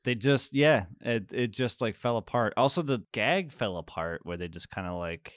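A man's voice: medium pitch, lively intonation, moderate pace, no echo, clean studio sound. A young man co-hosting a casual film review podcast, rambling with fillers and laughter. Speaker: podcast co-host.

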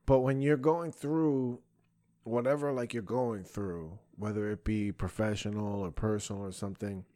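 A man's voice: on the low side, steady tone, moderate pace, dark tone. A man in his thirties chatting casually as a podcast host, rambling in profane, slangy talk. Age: 30s. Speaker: podcast host and stand-up comedian. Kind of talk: casual chat.

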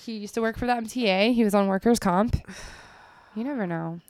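A woman's voice: mid-range voice, brisk, darkish tone. A woman, co-hosting a casual podcast chat and telling long neighborhood stories peppered with "like" and the odd swear. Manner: chatty storyteller, heavy use of "like", swears casually. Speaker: podcast co-host. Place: apartment in Brooklyn.

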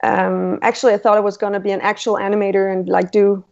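A woman from Denmark with a Danish accent, a Danish native speaker, answering relaxed interview questions and pausing to search for words. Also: mid-range voice, vocal fry. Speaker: illustrator guest. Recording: dull lo-fi call audio.

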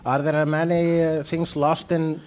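A man from Iceland with an Icelandic accent, co-hosting a comedy podcast on stage, dry and deliberate with hesitant fillers. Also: fairly high pitch, level tone, darkish tone. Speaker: podcast co-host. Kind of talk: casual comedic chat. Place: live stage with audience. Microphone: stage microphone.

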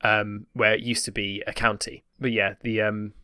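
Bright-voiced man with a home counties accent. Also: lowish voice, flat delivery, moderate pace, smooth, no echo, studio quality. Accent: home counties English. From home counties, England. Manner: discursive, self-correcting. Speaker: podcast panellist explaining British terms. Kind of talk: casual explanatory chat.

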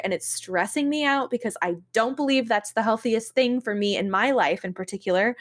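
A young woman chatting casually on a podcast in an animated, rambling way, full of "like" and exasperated storytelling. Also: medium pitch. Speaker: podcast co-host. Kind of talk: casual chat about games and anime.

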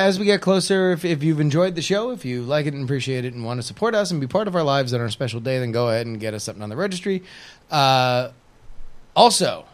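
A man co-hosting a podcast, joking around and cursing in a loose, casual chat. His voice sits at an ordinary middle pitch. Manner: joking, profane, playful. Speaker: podcast co-host.

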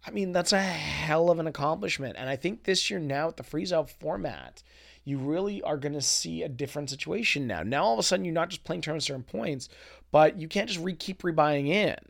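A man hosting a casual solo podcast, with a dry, husky voice weakened by a cold, talking emphatically and informally. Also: on the high side, expressive, a little fast. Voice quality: husky, gravelly. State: weak, dry voice after a cold. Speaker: podcast host and poker player.

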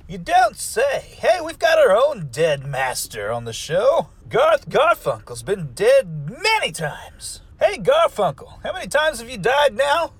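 A man's voice: very high voice, huge pitch swings, a little slow, few pauses, husky, exaggerated voice. A man playing an eccentric doctor who hosts a horror show, talking in a theatrical, playfully macabre way. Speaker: show host. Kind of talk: in-character horror podcast banter.

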